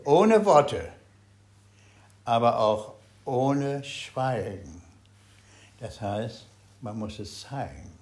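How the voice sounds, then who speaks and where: An older man giving a Zen meditation talk to a group, speaking haltingly, searching for words and swinging between loud and very soft. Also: mid-range voice, expressive.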